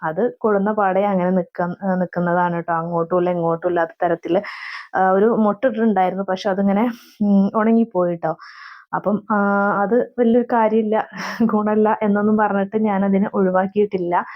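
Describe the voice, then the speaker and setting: A mother narrating her day at home in a chatty voice-over, ending sentences with soft tag words and pausing on fillers. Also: mid-range voice, steady tone. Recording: slightly dull lo-fi voice-over.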